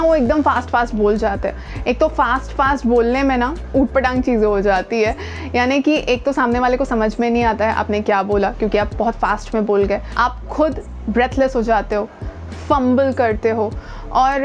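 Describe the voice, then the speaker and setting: A woman with an Indian accent speaks at normal speed in a slightly high voice, with soft background music playing. A voice training coach and presenter, she gives a conversational lesson to camera, code-switching into English and stressing key words.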